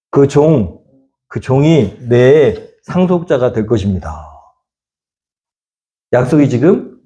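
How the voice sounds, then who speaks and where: A man's voice: mid-range voice, mellow. A middle-aged male pastor giving a Sunday sermon in a conversational way, often putting questions to the congregation.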